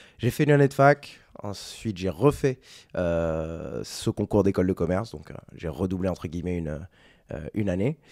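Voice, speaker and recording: A man's very deep, low voice with very wide pitch swings. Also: moderate pace, dry, close sound with no echo, very clean recording, silent background. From France, Paris region (Essonne). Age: 20s. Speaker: video content creator. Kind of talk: podcast interview.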